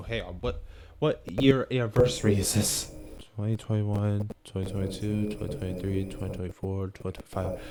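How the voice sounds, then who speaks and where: Quiet and dark, mellow in tone, a man talks at a moderate pace and a medium pitch. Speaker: gaming YouTuber recapping esports tournament. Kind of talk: casual video commentary. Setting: home recording late at night. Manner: halting, stumbling; quiet, keeping voice down.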